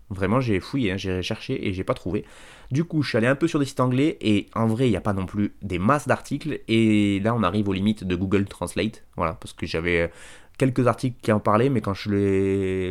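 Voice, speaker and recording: A man hosts a music radio show in a casual, rambling commentary style. His voice sits on the low side, and he talks with slangy enthusiasm. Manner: loose and rambling.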